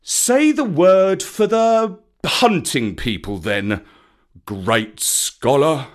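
A big old bear from a storybook, acted out by a man, stern and tender at once. The speech is slow and weighty, with forceful emphasis and archaic turns of phrase, swinging widely in pitch like a schoolmaster lecturing a pupil. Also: animated. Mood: grumbling. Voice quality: rumbling, weighty.

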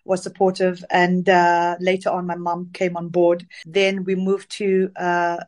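A woman's voice: fairly low pitch, completely flat delivery, a little slow, a little mellow. A woman singer from Zambia answering interview questions in a chatty, rambling way with many fillers over a remote call. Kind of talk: casual interview.

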